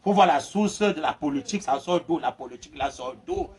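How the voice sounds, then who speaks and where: A man preaching a sermon, laughing through his words, mocking and shouting amens. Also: on the high side, lively intonation, a little fast, breathy edge.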